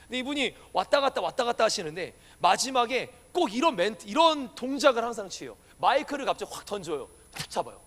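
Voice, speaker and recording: A male pastor preaches in a casual, playful way, asking his young congregation questions as he goes. His voice sits high and swings widely in pitch. A long church-hall reverb trails after his words. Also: big pitch swings, fast talker, hardly any pauses, a bit bright. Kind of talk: conversational sermon to young adults.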